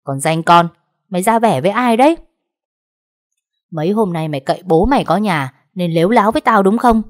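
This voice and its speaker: A spiteful middle-aged stepmother hurls shrill, scornful abuse in an audiobook story, voiced by a woman reader. The underlying voice sits low and dark, with a mellow tone. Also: expressive, brisk, no room sound, clean studio sound. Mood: furious. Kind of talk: audiobook narration.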